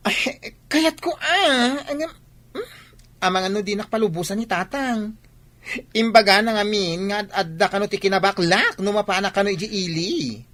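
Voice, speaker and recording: A woman's voice: medium pitch, moderate pace, a bit bright, dry recording, natural voice. Plaintive gay village cousin acted by a woman. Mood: wistful. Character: put-upon gay male village cousin, plaintive and wistful. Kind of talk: village comedy radio drama acting.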